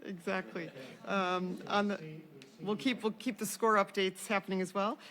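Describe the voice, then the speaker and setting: A woman moderating a panel discussion, speaking in a halting way with frequent pauses and restarts. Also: medium pitch, level tone, a bit bright.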